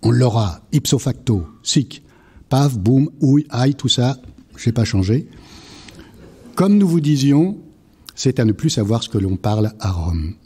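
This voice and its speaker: Man with a dark husky voice, reading a goofy wordplay piece to a crowd, acting out the parts. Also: medium pitch, big pitch swings, measured pace. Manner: playful, with theatrical shifts between dialogue parts. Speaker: writer reading a wordplay text. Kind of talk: live public reading. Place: library event before a live audience.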